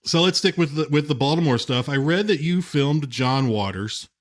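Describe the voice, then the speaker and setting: A man's voice: on the high side, animated, normal speed. A man hosting a podcast, chatty and laughing often in casual conversation. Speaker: podcast host.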